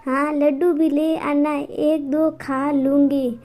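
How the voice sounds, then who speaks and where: A woman's voice: high-pitched, level tone, slow pace, a little mellow, faint music behind. A woman voicing a strict middle-aged mother-in-law who scolds and gives orders. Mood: scolding. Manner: scolding, bossy household tone.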